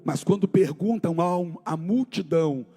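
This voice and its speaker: A man preaching a sermon at a church service, with fervent delivery that swings from shouting to hushed storytelling. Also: fairly high pitch, unhurried, soft background music. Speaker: pastor.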